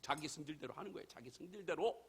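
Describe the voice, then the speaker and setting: A man's voice: a little high, expressive, fast, creaky, breathy edge. A male pastor preaching a sermon, emphatic and full of rhetorical questions to the congregation.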